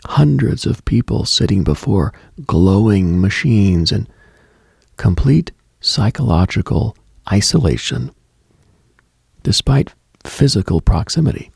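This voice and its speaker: A man hosting late-night radio with a brooding, deliberate scripted monologue in a hushed, husky, gravelly voice. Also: lowish voice, very animated, dry recording, studio quality.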